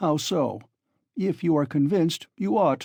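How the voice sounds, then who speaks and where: A man puts on a raspy character voice, fairly high-pitched for a man, talking at a moderate pace on a very clean recording with a silent background. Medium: read story. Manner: tense, defensive.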